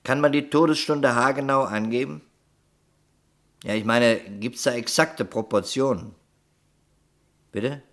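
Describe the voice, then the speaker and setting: An actor playing a wry, probing police detective in a German radio crime play, questioning sceptically. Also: male voice, mid-range voice, measured pace, pauses often, a bit bright. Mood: businesslike.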